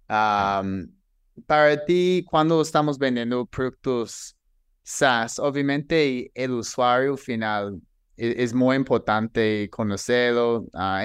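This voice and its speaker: Lively male podcast host, dry close mic. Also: medium pitch, clean tone, no room sound. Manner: energetic, asks long questions with fillers. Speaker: podcast host, sales expert. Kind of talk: upbeat podcast interview.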